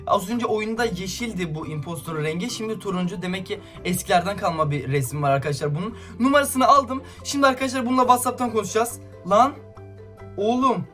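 A gaming YouTuber talks straight to his viewers during gameplay commentary, irritated and ranting as he hurls insults at another player. His voice is high and a bit bright, fast with few pauses, and faint music plays behind him.

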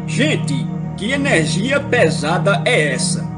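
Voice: medium pitch, big pitch swings, slow, loud music behind the voice. An actor with a Brazilian accent playing a pompous, exasperated king in a comic audio drama. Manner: pompous, melodramatic. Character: pompous, exasperated king berating servant and prophetess.

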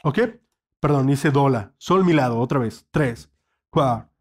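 A man's voice: mid-range voice, moderate pace, faint music behind. A male saxophone teacher, giving an online lesson and checking in patiently with the student.

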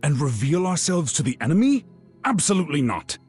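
An actor playing a proud, mature black dragon heir in a fantasy game, formal and commanding. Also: male voice, fairly high pitch, sing-song, fairly quick, a little mellow, husky, faint music behind. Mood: stern, irritated. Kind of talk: fantasy game cutscene acting.

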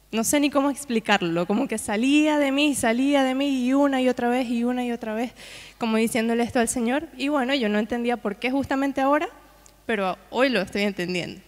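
A woman preaching, telling a personal testimony to a congregation in a conversational way with frequent asides. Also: fairly high pitch. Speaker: guest preacher. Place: church hall. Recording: long hall reverb.

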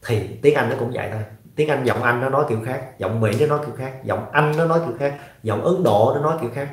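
A man's voice: medium pitch, fast, echoey room. A man with a Southern Vietnamese accent giving an emphatic motivational talk as an English-learning coach, repeating phrases for stress.

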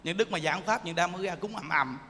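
A man giving an animated sermon as a Buddhist monk, teasing the audience and often asking them if they understand. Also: sits high, fast talker, slight background noise. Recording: echoey hall.

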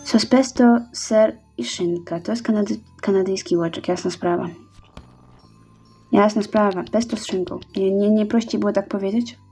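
A woman gives relaxed let's-play commentary in a warm, mellow voice. She chats as she goes, reading orders aloud and counting out each step. Quiet game music runs underneath. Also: mid-range voice, moderate pace, husky. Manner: chatty, reads orders aloud and counts out steps. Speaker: gaming YouTuber.

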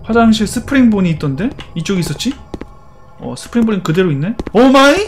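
A man's voice: high-pitched, animated, fast talker, darkish tone. A man playing a horror game and commenting, teasing the characters in playful chatter. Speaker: gaming YouTuber.

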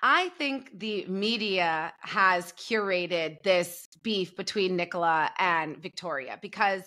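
A woman's voice: lowish voice, takes it slowly, sharp tone. A young woman as a podcast guest on a video call from home, chatty and gossipy about pop culture. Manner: chatty, gossipy, laughs easily. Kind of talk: casual pop culture chat. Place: home room. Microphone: video call with earbuds.

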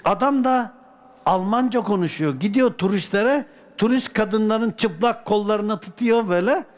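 A man from Turkey, a dervish, telling a personal anecdote in a colloquial, lively way with folk sayings. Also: high voice, moderate pace. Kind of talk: casual spoken anecdote.

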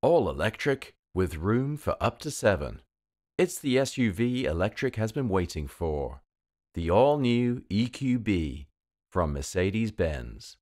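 A British man delivering polished commercial voice-over with measured, deliberate phrasing. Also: fairly low pitch, very animated, a little mellow. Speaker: voice-over artist.

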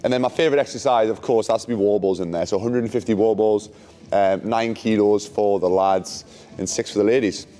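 A man's voice: fairly low pitch, steady tone, brisk, dark tone. Young man, barking gym coach. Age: 20s. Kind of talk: group fitness coaching. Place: large hard-floored indoor gym.

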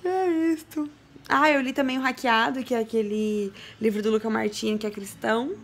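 Young woman from Brazil, casual vlog host, chatty and emotional, gravelly fry, recorded at home. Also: on the high side, fairly even intonation, normal speed. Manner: chatty, emotional, laughs and cries with joy. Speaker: book vlogger. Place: home, her bedroom.

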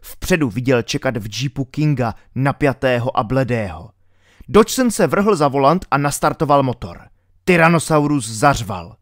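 A man reading a thriller audiobook with steady, dramatic storytelling. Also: mid-range voice, no room sound, studio quality. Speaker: audiobook reader. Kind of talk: audiobook narration.

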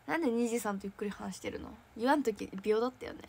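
A woman's voice: fairly high pitch, very fast, vocal fry, darkish tone, husky. Bubbly young woman chatting on a livestream. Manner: bubbly, chatty, frequent giggles. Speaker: idol trainee hosting a fan livestream. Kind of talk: casual livestream chat reading viewer comments.

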